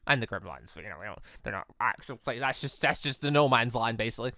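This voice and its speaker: Someone hosting a gaming video, reading a visual novel aloud with casual commentary and an expressive, excitable manner. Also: medium pitch, fast talker, vocal fry, no echo, clean studio sound. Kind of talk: casual let's play commentary mixed with dramatic read-aloud narration.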